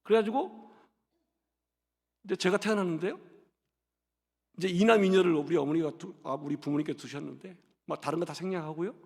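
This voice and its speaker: A male pastor preaching a sermon, telling a childhood story and acting out his family's voices before rising to a shouted call to the congregation. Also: on the high side, a little fast, pauses often, husky. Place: church sanctuary. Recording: long church hall reverb.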